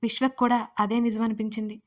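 Woman narrating a story in a flat, even tone. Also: a little high, fast talker. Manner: steady, even reading. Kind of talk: audiobook narration.

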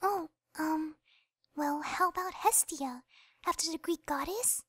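An actress playing Fluttershy, a shy, soft-spoken young mare who stammers, in a fan radio drama. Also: female voice, high-pitched, a little slow, no echo, clean studio sound. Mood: timid.

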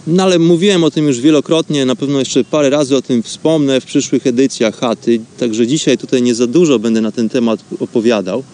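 A man hosting a spiritual radio show, speaking in an informal, reflective monologue with wordy, measured phrasing. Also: mid-range voice, a little mellow.

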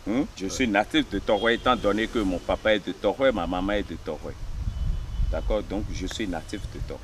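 A man in his fifties from Benin, a history teacher, telling village history in an outdoor interview, pausing on fillers and often checking he is understood. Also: on the low side, a little hiss or hum. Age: 50s. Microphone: camera at close range.

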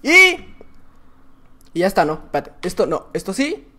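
A man with a Mexican accent giving excitable, joking gameplay commentary, now and then singing or yelling. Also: high-pitched, normal speed. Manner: excitable, joking, breaks into silly singing and shouting. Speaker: gaming YouTuber.

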